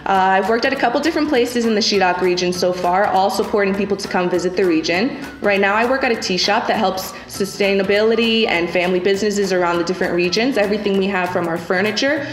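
Fast-talking young woman from Florida. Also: medium pitch. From Miami, Florida. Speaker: volunteer. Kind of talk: casual talk to camera. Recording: echoey room with music.

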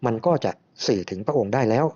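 A soft-spoken, devout Filipina woman, as a male narrator puts her on, patient and coaxing as she speaks slowly and calmly. The voice stays mellow and warm, and the recording is a little muffled and lo-fi. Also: lowish voice, breathy edge. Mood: gentle. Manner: slow, calm, coaxing delivery.

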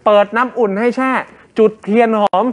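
A man's voice: extremely high pitch, steady tone, a little fast. A man co-hosting a television entertainment news show, a father of young kids, joking in casual banter while reading celebrity news. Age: adult father of young children. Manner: chatty, joking, polite sentence endings.

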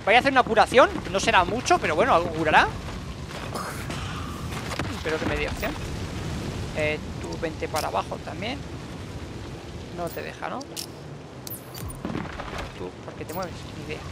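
A young man with a Castilian Spanish accent giving casual, animated, exclamatory gameplay commentary. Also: fairly high pitch, normal speed, vocal fry, long pauses, heavy background noise. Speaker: gaming video host. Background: game music and sound effects.

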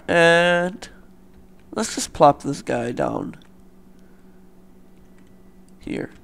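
A young man hosting a let's play, talking loosely with lots of fillers, his voice a bit raspy from the morning, at a desktop mic at home. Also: fairly high pitch. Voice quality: loose, rambling, filler-heavy. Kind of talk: casual gameplay commentary.

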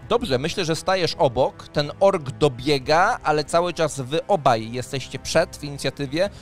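A man's voice: fairly high pitch, lively intonation, normal speed. Male game master telling a story over music. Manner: descriptive, dramatic storytelling. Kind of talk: narrating a tabletop fantasy roleplaying game. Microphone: close microphone on a boom arm, headset on.

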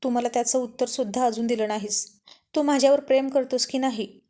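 A woman's voice: a little high, steady tone, a little fast, mellow, close to an everyday voice. Damini, a defiant headstrong young woman, read by a woman.

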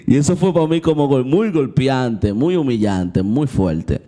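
A young man tells his own story to the camera in a candid, confessional way. His voice is mellow and warm, and its pitch sits in the middle range. He talks straight to his viewers and acts out the moments he describes. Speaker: Christian vlogger. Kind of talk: personal storytelling vlog.

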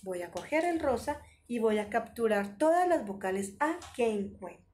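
A woman's voice: fairly high pitch, lively intonation, normal speed, darkish tone, a little hiss or hum. A woman teaching an online preschool lesson, talking in an exaggerated, sing-song, encouraging way.

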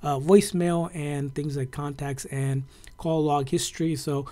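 A tech tutorial host with a soft-edged, mellow voice at a medium pitch. The delivery is casual and conversational, explaining things informally and circling back over points. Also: fairly even intonation, unhurried.

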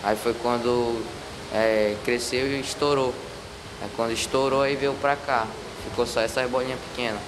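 A young Brazilian man talks haltingly and in a flat, level tone through a face mask. He sits in a clinic room with clear background noise around him. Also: medium pitch. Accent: Brazilian Portuguese. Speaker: patient. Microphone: handheld mic, wearing a face mask.

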